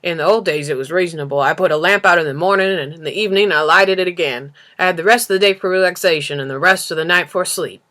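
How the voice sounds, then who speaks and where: A woman's voice: lowish voice, fast talker, hardly any pauses, a bit bright, lightly acted. A woman voicing a weary, complaining lamplighter in a storybook, bound by orders, with a clipped, emphatic manner. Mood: aggrieved. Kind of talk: storybook character reading.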